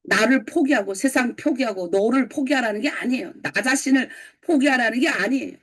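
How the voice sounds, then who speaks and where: A woman pastor from North Korea preaches in a high voice with a North Korean accent. She is middle-aged and keeps the talk lively, putting questions to her listeners and answering them herself. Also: a little fast. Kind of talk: early-morning sermon lecture.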